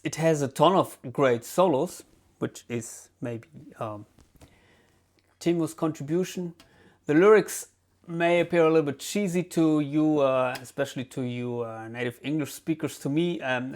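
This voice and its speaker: A man with a German accent, a non-native English speaker, giving a casual album review with many pauses and fillers. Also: mid-range voice. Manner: relaxed, hesitant, lots of ums and restarts. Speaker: guitar channel host.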